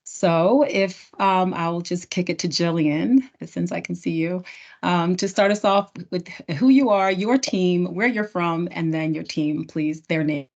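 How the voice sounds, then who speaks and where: A woman's voice: lowish voice, unhurried, a little mellow. A woman training and hosting a virtual town hall, chatting casually with many fillers and restarts. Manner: chatty, filler-heavy, self-correcting. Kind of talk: casual presentation to partners. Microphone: video call. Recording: dull lo-fi video call audio.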